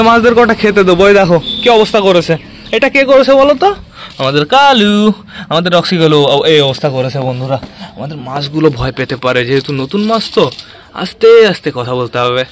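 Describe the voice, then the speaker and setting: Bird-keeping vlogger, man from West Bengal, high voice, chatty, faint outdoor noise. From West Bengal, India. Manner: chatty, calls out to birds. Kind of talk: casual vlog narration. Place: outdoors at home pigeon loft.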